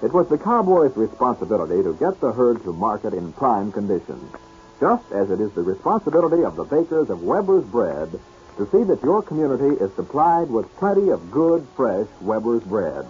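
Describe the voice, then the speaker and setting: A man's voice: mid-range voice, sing-song, moderate pace, slight background noise. A man in the manner of an old radio announcer, reading scripted sponsor copy. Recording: tinny vintage radio broadcast.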